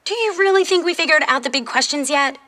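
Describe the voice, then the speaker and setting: A woman voices a sassy, world-wise fifteen-year-old girl from the future in an audio drama, using casual, sarcastic phrasing. She speaks fast in a high, bright voice with a forceful edge, sounding confident and teasing.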